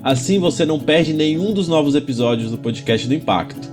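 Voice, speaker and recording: A man's voice: on the high side, expressive, brisk, over music. A man hosting a podcast, introducing his guest and asking questions in a friendly, upbeat way. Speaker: podcast host. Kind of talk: podcast interview.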